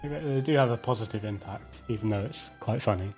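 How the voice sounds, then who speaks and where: A man co-hosting a podcast in casual chat, teasing the others with quick short interjections. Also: fairly low pitch, a little mellow, soft background music. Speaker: podcast co-host.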